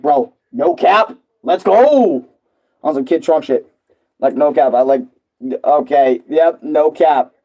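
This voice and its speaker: A man rambling casually and excitably on a live stream, full of slang and repeating himself. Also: on the high side, rough recording. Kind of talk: casual, rambling live stream chat about comics and games.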